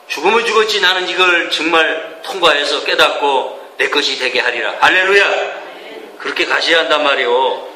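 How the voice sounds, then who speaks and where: Emphatic high-voiced man preaching. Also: sharp tone, slight background noise. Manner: folksy, emphatic, asks the audience questions. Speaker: preacher teaching a course. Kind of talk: sermon-style lecture. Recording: echoey room with faint ambience.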